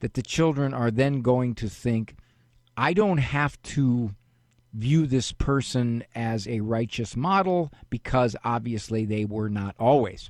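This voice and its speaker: Against a quiet background, a man talks at a very slow pace with medium pitch and ordinary pitch variation. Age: old. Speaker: radio psychologist host. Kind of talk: radio call-in commentary.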